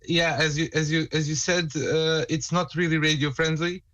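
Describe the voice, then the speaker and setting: A man from Serbia with a Serbian accent, giving casual feedback on music in a halting, repetitive way. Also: fairly high pitch, level tone, sharp tone. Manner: halting, repeats words. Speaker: music reviewer on a show.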